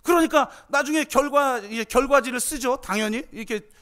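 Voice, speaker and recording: A middle-aged male pastor delivers a sermon in a high voice. He tells personal stories with feeling, dropping to near-hushed tones and then rising to impassioned pleas. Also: a little fast. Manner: emotional storytelling, swings from hushed to impassioned.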